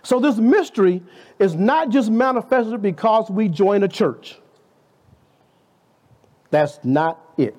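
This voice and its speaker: Lively high-voiced preacher man in his fifties. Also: takes it slowly, long pauses. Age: 50s. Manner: conversational preaching, rhetorical questions, playful asides. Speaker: guest preacher. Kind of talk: sermon.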